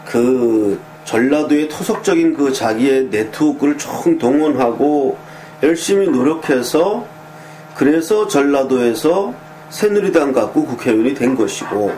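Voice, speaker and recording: A man's voice: medium pitch, expressive, unhurried, warm tone, slight background noise, low-quality recording. A man giving casual political commentary in a conversational way, with many fillers and small affirming asides, and voicing pointed, critical opinions.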